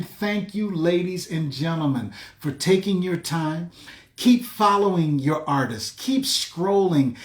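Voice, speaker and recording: A man hosting a music interview show, effusive and conversational, repeating phrases for emphasis and speaking straight to his listeners. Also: fairly high pitch.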